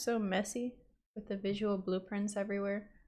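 Backed by music, the woman keeps to a moderate speaking pace. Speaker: game developer streamer. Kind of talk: tutorial.

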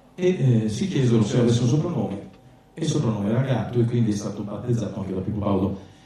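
Strong room echo surrounds very fast speech with ordinary pitch variation. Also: man. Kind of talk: stage banter to audience. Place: stage.

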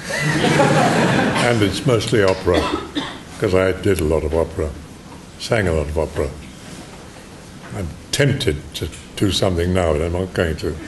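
A man with a British accent speaks in a very deep, low pitch at a moderate pace, with long, frequent pauses. His intonation is lively, and light background noise can be heard. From London, England. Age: 80s+. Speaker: actor. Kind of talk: interview answer. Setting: lecture hall. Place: home room.

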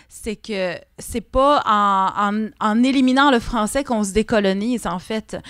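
A woman speaks with ordinary pitch variation against a quiet background, with a dry sound and no echo. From Quebec City, Quebec; Quebec. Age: 30s. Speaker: novelist and French teacher; French teacher. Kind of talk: public interview. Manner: hesitant, many fillers. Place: hall. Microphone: podium.

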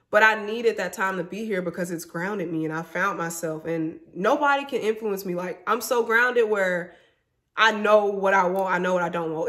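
A woman at medium pitch, animated in tone, with ordinary pitch variation and a moderate pace against a quiet background. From US South, Mississippi Gulf Coast; Mississippi. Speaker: YouTuber, vlogger. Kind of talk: vlog monologue. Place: home room. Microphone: phone near.

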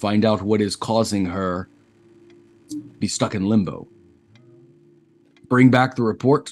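This put-on, gruff character voice goes at a fairly slow pace with fairly even intonation and long, frequent pauses. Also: man, fairly low pitch for a man. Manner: gruff, impatient, curt.

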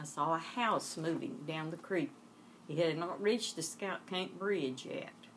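The speaker talks at a moderate pace with an Appalachian accent. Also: woman. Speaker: flood survivor. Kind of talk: interview.

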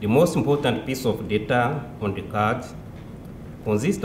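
A man speaks at a very slow pace with ordinary pitch variation. Noticeable background noise runs behind him. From Rwanda. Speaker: genocide survivor giving testimony; speaker. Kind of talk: testimony. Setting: stage with audience at commemoration event. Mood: solemn, measured. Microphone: podium.

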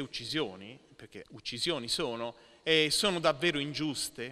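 A bright, sharp tone with lively intonation. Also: man. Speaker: jurist and author. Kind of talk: public talk. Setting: stage with audience. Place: hall. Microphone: podium.

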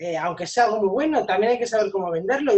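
The speaker is a woman with a fairly high pitch. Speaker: small business owner. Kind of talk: webinar discussion.

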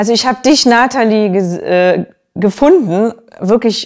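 A woman speaks at a very slow pace in a fairly high pitch. The background is quiet. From Berlin, Germany. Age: 50s. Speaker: engineer, recovering alcoholic sharing her story. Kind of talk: testimony. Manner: hesitant, many fillers. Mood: calm, reflective. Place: home room. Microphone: lapel.

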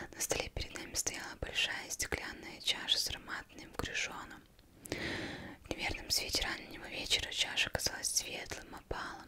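A woman whispering in a gentle tone at a moderate pace, with light background noise. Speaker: audiobook reader. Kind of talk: literary reading aloud. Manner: gentle whispered storytelling. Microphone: studio mic.

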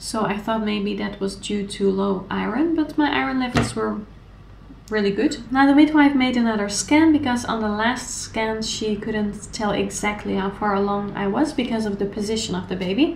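A woman talks at a moderate pace with ordinary pitch variation. The room echo is audible, and there is light background noise. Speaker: vlogger. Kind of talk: casual vlog chat. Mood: calm, warm. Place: home room.

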